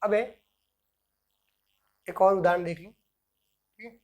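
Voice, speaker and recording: A male chemistry teacher working through examples, asking himself questions and answering them, and dictating formulas slowly piece by piece. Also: high voice, fairly even intonation, a little mellow, lo-fi sound. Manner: answers own questions, repeats "ठीक है" often. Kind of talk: explaining worked examples at a board.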